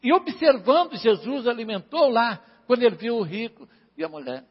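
A pastor preaches an informal sermon, chatting with the congregation and calling on listeners by name. His very high-pitched voice is animated and husky, at a moderate pace, in a dull, reverberant hall recording.

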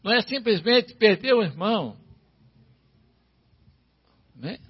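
A man's voice: high voice, expressive, slow, husky, highs cut off. A man preaching a sermon as pastor, asking his listeners the same questions again and again. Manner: preaching with repeated rhetorical questions.

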